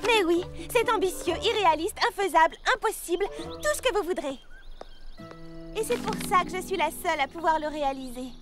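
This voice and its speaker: A woman voicing a bossy, dreamy little girl with big plans in a French children's cartoon dub, emphatic and expressive. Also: very high-pitched, fairly quick. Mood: determined. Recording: music behind the voice. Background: cartoon music.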